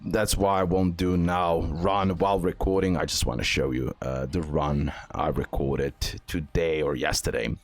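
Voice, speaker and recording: A man with a fairly low voice talks through game strategy as a video host. He is a non-native English speaker. His delivery is informal, and he often repeats phrases to stress a point. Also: no echo, clean studio sound. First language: not English. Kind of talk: casual game strategy commentary over recorded gameplay.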